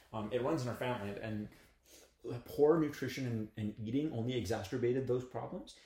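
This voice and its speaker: The voice has a dark, mellow tone, is somewhat breathy, and moves at a fairly quick pace. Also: man, medium pitch for a man, ordinary pitch variation. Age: 20s. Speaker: podcast co-host. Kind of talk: casual chat.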